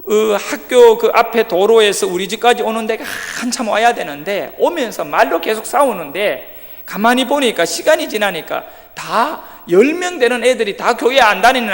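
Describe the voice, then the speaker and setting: A male preacher tells a story from his own youth in a vivid, animated way, acting out what the other people in it said. His voice sits high for a man. The sound rings out in a large church hall with a long reverb tail. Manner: lively storyteller who acts out quoted speech. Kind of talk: sermon testimony storytelling.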